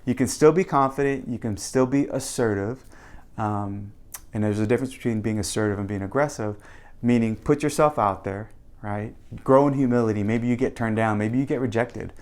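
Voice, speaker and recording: A man's voice: fairly low pitch, normal speed, darkish tone. A man giving casual advice in a monologue, speaking in an earnest, confident, conversational way like a coach. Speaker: podcast co-host giving advice.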